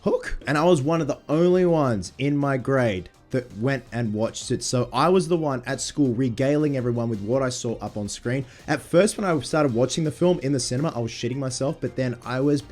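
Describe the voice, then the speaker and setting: A man in his thirties talking casually to camera, with a husky, congested voice from a sinus infection. He sounds excitable and swears casually. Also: medium pitch, fairly quick, hardly any pauses, faint music behind. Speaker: movie vlogger.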